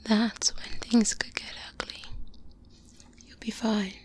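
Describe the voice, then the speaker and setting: A woman playing a seasoned vampire hunter, a calm and protective mentor, in a soft-spoken ASMR roleplay, hushed and breathy, close to the microphone. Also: on the high side. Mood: calm, reassuring. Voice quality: breathy, whispery. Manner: slow, deliberate, hushed, with long pauses. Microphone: close-up binaural microphone.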